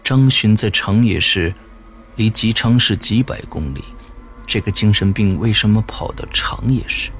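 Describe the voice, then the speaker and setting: A man reading a horror story as the narrator, slow and suspenseful, with dramatic pauses. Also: on the low side, a bit bright, faint music behind.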